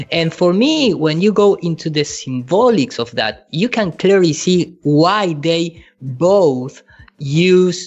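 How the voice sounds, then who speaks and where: A man with a Spanish accent speaks at a very slow pace, with ordinary pitch variation. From Argentina. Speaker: flat earth video creator. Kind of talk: casual panel discussion. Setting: video call.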